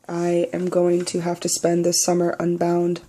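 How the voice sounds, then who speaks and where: A young trans man with a naturally high voice he tries to pitch lower, speaking candidly and bluntly in a personal video diary, swearing freely. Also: completely flat delivery, a little slow, warm tone. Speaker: vlogger.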